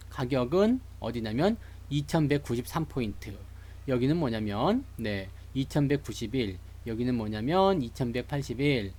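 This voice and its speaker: His fairly high voice carries a darkish tone as this Seoul stock streamer runs a chatty, humorous live lesson on charts. He often greets the viewers typing in the chat.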